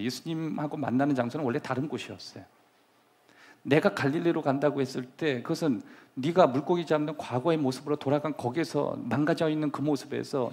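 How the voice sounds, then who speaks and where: A middle-aged male pastor preaching a sermon in a church, acting out scenes and dropping now and then to a soft whisper. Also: fairly high pitch. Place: church sanctuary.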